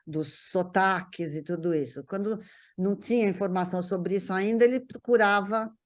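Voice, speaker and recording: Halting Brazilian woman reminiscing in conversation. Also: medium pitch. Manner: halting, repeats words while searching for phrasing. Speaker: guest recalling a writer relative.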